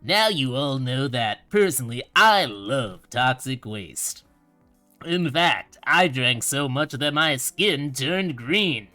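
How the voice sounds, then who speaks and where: Undead game show host, gleeful menace, bright forceful voice, swooping delivery, theatrical. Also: male voice, mid-range voice, expressive, dry recording, soft background music. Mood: smug, showy. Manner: showy, drawn-out presenter delivery.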